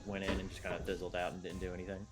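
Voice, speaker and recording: A man playing a tabletop game, halting and full of fillers as he plans his moves. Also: low-pitched, monotone. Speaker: player. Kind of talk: casual tabletop play. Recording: music playing behind.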